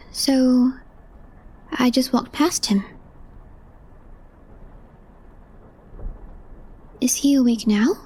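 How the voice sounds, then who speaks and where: A woman acting as a calm young female coworker with a sly streak, in an ASMR roleplay. Her voice is high and very soft, with a mellow, breathy hush. She speaks in an understated deadpan. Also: full character voice, rough recording. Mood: calm, secretive.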